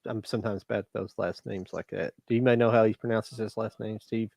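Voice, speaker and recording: A man's voice: fairly low pitch, fairly even intonation, brisk, gravelly, a little mellow, no room sound. A man hosting a casual movie podcast who explains his views at length in a reflective way. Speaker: podcast host.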